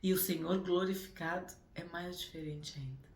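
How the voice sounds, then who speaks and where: A woman's voice: lowish voice, moderate pace, a little mellow, echoey room. A woman giving a Bible reflection, speaking with emphasis and repeating phrases for effect. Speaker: Bible teacher.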